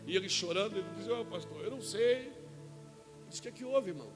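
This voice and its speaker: A Brazilian man preaching a sermon as a pastor, telling a personal story with quoted dialogue and rising to shouts at the peaks. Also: high voice, animated, quick pace, over music. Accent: Brazilian Portuguese. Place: church event hall.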